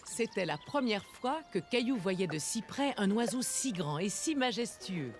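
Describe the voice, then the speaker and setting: A woman narrating a children's cartoon as a gentle, expressive storyteller. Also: mid-range voice, measured pace, lightly acted. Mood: gentle, storytelling. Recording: music behind the voice.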